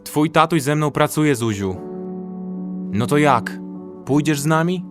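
A man's voice: fairly high pitch, lively intonation, unhurried. Actor as a resolute male survivor over music. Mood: gentle, reassuring. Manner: terse, practical, in control. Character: resolute, protective young male survivor, armed and pragmatic. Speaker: actor in audio drama. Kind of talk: acted horror audio drama dialogue. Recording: music under the voice.

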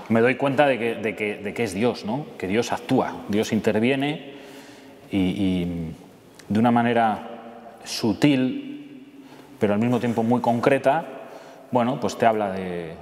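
A man in his forties with a Madrid accent gives an informal testimony. His voice sits fairly low and he talks conversationally, often checking in with his listeners. The church hall adds long reverb, with noticeable noise behind him. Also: a little mellow. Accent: Castilian Spanish from Madrid. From Madrid, Spain. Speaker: speaker giving a testimony. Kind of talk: informal personal testimony to an audience. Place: church interior, seated at a table. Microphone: lapel microphone. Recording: echoey church hall, clear background noise.

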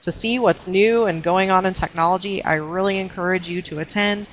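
A woman's voice: fairly low pitch, a little fast, low-quality recording. A woman hosting a webinar, giving informal announcements to attendees over a video call. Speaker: webinar host. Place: indoor room, on a webcam video call. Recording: faint background noise on video call.

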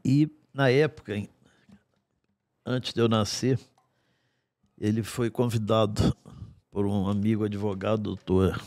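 A man in his sixties, a guest in a podcast studio, telling stories from his life in an unhurried, wry way with dry asides. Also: lowish voice, fairly even intonation, a little mellow, no echo. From Brazil. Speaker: guest singer-songwriter. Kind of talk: storytelling in a podcast interview. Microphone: studio mic on a stand.

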